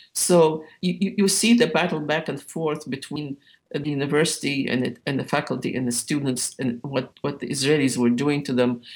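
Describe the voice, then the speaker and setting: Her voice is very deep and low, with ordinary pitch variation. This woman keeps a moderate pace with hardly any pauses. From Palestine (Jaffa). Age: 70s. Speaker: retired professor and author. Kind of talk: radio interview. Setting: video call.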